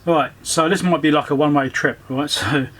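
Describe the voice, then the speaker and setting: In a repair video of his own, a man with a voice on the high side speaks a little fast with a steady, fairly bright tone. He casually comments on his hands-on electronics work, muttering and thinking aloud, against clear background noise.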